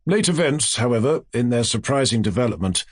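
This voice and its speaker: Male audiobook narrator for classic fiction: formal, highly varied intonation, very dry recording. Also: animated, fairly quick, no echo.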